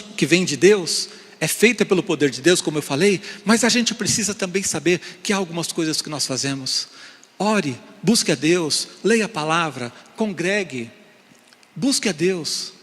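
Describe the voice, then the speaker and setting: A man's voice: on the high side, expressive, moderate pace, a bit bright, breathy edge, in a large hall. A man preaching a sermon to his congregation as pastor, asking rhetorical questions and often calling for an "amém". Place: church sanctuary.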